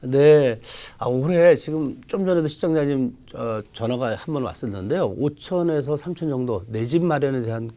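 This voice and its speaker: A man speaking as a real estate expert on a TV advice show, explaining off the cuff in polite formal speech, halting and repeating his phrases. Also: mid-range voice, expressive, mellow. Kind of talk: unscripted expert consultation.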